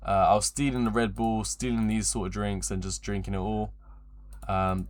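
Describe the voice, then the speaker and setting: A man's voice: on the low side, level tone, moderate pace. A twenty-year-old man chatting casually on a livestream in a rambling, slangy, repetitive way, with frequent swearing. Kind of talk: casual livestream chat to viewers.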